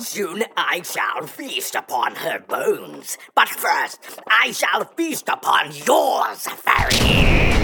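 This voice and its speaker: Over faint background music, a man does a put-on character voice at a high pitch. He talks very slowly with hardly any pauses. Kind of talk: theatrical villain speech. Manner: menacing, gloating, villainous.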